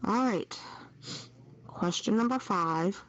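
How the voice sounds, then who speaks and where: A woman's voice: medium pitch, slow, fairly bright tone. A woman hosting a quiz, reading out questions in an unscripted way over a muffled radio chat channel. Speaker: trivia quiz host.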